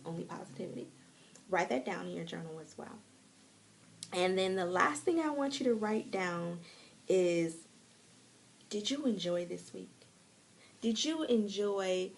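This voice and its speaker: A woman's voice: fairly low pitch, unhurried, creaky, pauses often, slight background noise. A woman giving an encouraging motivational talk on a live phone stream, walking listeners through journaling and affirmations. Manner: encouraging, animated, laughs lightly. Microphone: phone mic.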